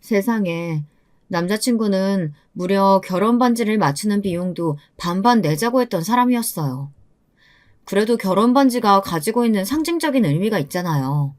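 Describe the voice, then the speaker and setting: A woman's voice: medium pitch, expressive, moderate pace, darkish tone. A woman in her twenties telling her own story in scripted first-person narration, in a confiding, lamenting way. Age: 20s.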